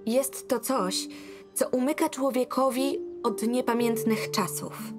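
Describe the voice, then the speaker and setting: A young woman in a dubbed film, reading a religious passage aloud slowly and carefully. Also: on the high side, music in the background.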